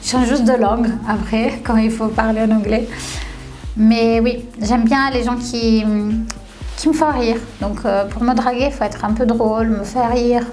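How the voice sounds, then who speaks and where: A woman's voice: fairly high pitch, fairly even intonation, normal speed, darkish tone. A young woman from Tunisia chatting casually in an interview, often laughing and repeating her words. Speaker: reality TV contestant. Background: faint background music.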